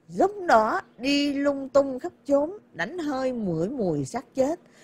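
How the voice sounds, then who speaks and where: A woman's very slow speech with very wide swings in pitch. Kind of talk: audiobook narration, literary prose read aloud. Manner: even, measured storyteller's pace, formal and literary.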